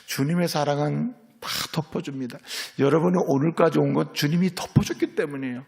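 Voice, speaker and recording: A middle-aged man, a senior pastor, preaching a sermon as a lively storyteller who keeps checking in with his congregation. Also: a little high, fairly quick, creaky. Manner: lively storytelling preacher, voices characters in quotes, asks "예?" of the congregation.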